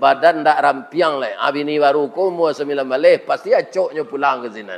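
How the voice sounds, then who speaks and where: Over noticeable background noise, a man speaks in a West Sumatran accent at a fairly high pitch. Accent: Minangkabau. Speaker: Islamic preacher. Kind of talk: humorous religious sermon to an audience.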